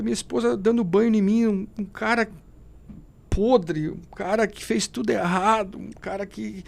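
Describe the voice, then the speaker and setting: A man with a fairly high voice and a gravelly, crackling edge tells his testimony as a podcast guest. He speaks fervently in a preachy way and keeps turning to the listener as brother. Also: darkish tone. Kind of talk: emotional testimony.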